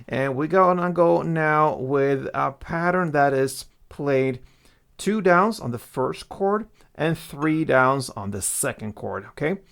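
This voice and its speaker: A guitar teacher speaks slowly in a slightly high, animated, fairly bright voice with vocal fry. He explains the lesson casually in steps and counts strumming strokes while acoustic guitar plays behind him.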